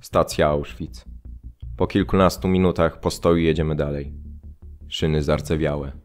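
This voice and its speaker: A man acting as a prisoner recalling a deportation, narrating gravely in short, clipped phrases. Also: a bass voice, steady tone, normal speed, a little mellow, faint music behind. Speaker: actor reading a prisoner's account. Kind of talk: scripted documentary radio-drama narration, terse present-tense recollection.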